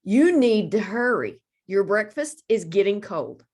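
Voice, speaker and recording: Lady doing a big bossy mama hippo hollering for her kid, insistent, storybook style, really animated. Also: medium pitch, a little slow. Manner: loud, insistent calling. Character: big bossy loving mother hippo, calling loudly.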